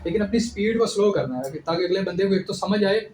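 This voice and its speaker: High-voiced young man in an echoey room. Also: animated, fast talker, a little mellow. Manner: direct, instructive. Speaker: ISSB candidate giving advice. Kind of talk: informal advice lecture. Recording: echoey room with clear background noise.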